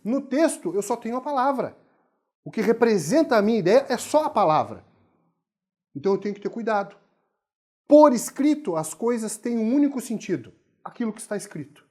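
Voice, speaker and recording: A man's voice: high voice, a little mellow. A man teaching a video writing lesson. He talks emphatically and keeps asking rhetorical questions and answering them himself.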